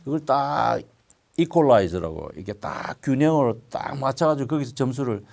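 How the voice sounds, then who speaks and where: An older male pastor preaching a sermon, telling stories with sudden loud, emphatic swells. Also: mid-range voice, lively intonation, normal speed, gravelly.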